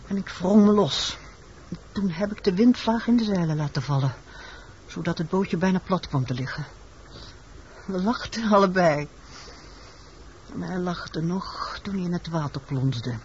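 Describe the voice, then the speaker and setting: An actress playing a weary, secretive woman in a radio drama, telling her story in a measured, matter-of-fact way. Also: on the low side, darkish tone. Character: weary, secretive woman confessing a wartime killing. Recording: muffled, noisy old radio recording.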